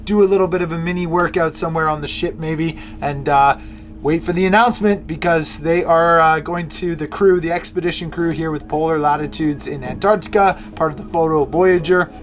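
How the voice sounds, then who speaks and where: A man's voice: fairly high pitch, steady tone, brisk. A man talking casually to camera as a vlog presenter, hesitating and correcting himself as he goes. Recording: music behind the voice.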